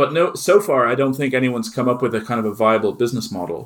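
A man talks in a Dublin accent at a fairly quick pace. His pitch variation is ordinary. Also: very clean recording, silent background. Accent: Irish (Dublin). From Ireland, Dublin. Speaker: tech conference founder. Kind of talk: interview conversation.

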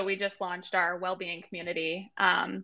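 Woman with an American accent, medium pitch, vocal fry, bright and sharp tone, fairly even intonation, and moderate pace, on a very clean recording with a silent background. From Massachusetts, Boston area. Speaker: product marketing director. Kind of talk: interview.

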